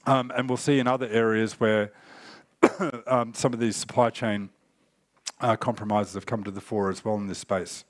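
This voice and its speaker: A man who is getting over a cold, giving a conference talk with many pauses and fillers. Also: on the low side, fairly even intonation, dry recording. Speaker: cybersecurity speaker.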